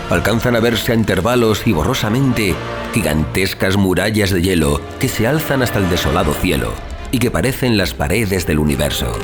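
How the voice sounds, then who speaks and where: A man as a deep-voiced, anguished young seafarer. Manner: theatrical, literary, intense delivery. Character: anguished young adventurer narrating a doomed sea voyage. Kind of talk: dramatic horror audiobook narration. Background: music.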